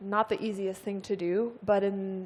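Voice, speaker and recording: A woman with an American accent at a medium pitch and a very slow pace. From United States. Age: 30s. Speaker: Olympic alpine skier. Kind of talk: press conference interview answer.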